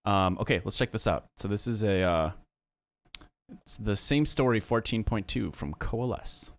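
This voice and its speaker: A man hosting a casual livestream, giving relaxed, hesitant feedback on listeners' music with many pauses and fillers. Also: on the low side.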